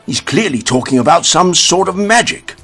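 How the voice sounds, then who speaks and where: An actor playing a gullible, touchy nonhuman pantomime judge with a husky, squawking, dramatic delivery. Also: male voice, sits high, expressive, moderate pace, a bit bright, faint music behind, exaggerated voice. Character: gullible, touchy talking-object talent judge.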